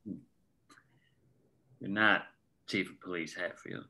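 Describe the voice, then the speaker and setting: A man's voice: low voice, drawn-out words, sharp tone, heavily acted. A man reading the part of a blunt, stern man with a dry delivery during a screenplay table read.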